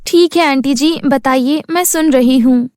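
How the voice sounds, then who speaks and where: A woman's voice: high voice, unhurried, a little mellow, no room sound, clean studio sound. A woman voicing a meek, polite orphaned young girl in a children's cartoon story. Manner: polite, submissive.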